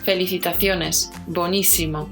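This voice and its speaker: Spanish-accented woman teacher, podcast host, somewhat low voice, clear delivery over background music. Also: steady tone. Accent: Spain. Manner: clear, slow explanations.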